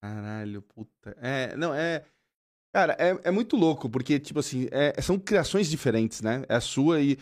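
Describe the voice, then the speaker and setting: A man's voice: mid-range voice, animated, moderate pace. Brazilian male host, casual, mid-range voice, short profane interjections. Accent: Brazilian Portuguese. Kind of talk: casual chat.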